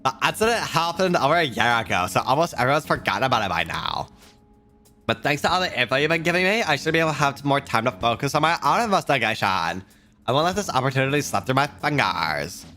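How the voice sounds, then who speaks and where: A man's voice: medium pitch, sing-song, fast, bright, forceful tone, soft background music. A man reading game dialogue aloud as a brash, hard-drinking female journalist in a tipsy drawl. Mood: determined.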